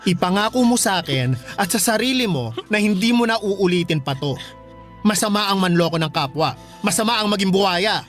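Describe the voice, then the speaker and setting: A man's voice: high voice, expressive, a little fast, fairly bright tone, soft background music. A man playing a flamboyant gay adoptive mother, stern but doting, in a Filipino radio drama, with campy Filipino delivery. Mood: stern, caring. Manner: campy, scolding then tender, slang-heavy.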